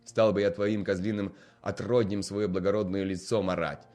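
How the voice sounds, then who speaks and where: A man voicing a surly, stubborn bearded tavern keeper with curt, gruff retorts. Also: low voice, level tone, moderate pace, darkish tone, faint music behind, lightly acted.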